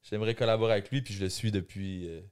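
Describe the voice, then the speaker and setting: A man with a Québécois accent, a guest musician answering podcast questions in a relaxed, slangy, conversational way. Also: lowish voice, fast talker, smooth. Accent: Québécois French. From Quebec City, Canada. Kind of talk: casual podcast interview.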